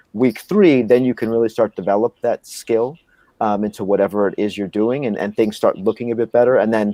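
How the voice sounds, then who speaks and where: Energetic in tone, a man with a New Jersey accent speaks at a fairly quick pace and fairly low pitch. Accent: New Jersey American. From New Jersey, US. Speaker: music industry executive and traveler. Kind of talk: interview. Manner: fast.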